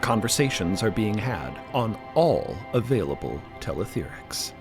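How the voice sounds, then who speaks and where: Male narrator for scripted audio drama, deliberate, theatrical, animated intonation. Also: lowish voice, music in the background.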